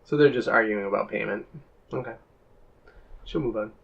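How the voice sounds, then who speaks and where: A man playing a tabletop game, asking questions and planning his character's moves out loud. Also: fairly low pitch, normal speed, gravelly, husky, narrow, tinny audio. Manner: questioning, plans aloud in character's terms. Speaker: player.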